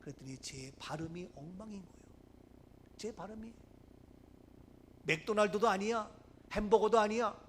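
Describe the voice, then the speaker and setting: A middle-aged pastor from Gangwon Province gives an animated sermon, moving from hushed asides to loud preaching. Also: male voice, high voice, normal speed, pauses often. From Gangwon Province, Korea. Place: church sanctuary.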